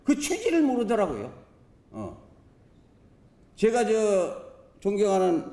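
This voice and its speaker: A man's voice: fairly high pitch, warm tone. A man, a provincial council member delivering a questioning speech at a podium microphone, emphatic and fond of rhetorical questions and folksy sayings. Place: council assembly chamber. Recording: roomy chamber echo.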